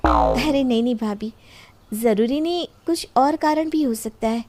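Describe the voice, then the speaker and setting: A woman's voice: on the high side, expressive, a little slow, a little mellow, a little hiss or hum, voice pushed up. A woman voicing a polite, anxious young bride who wants to study, in a story. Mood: polite, hesitant.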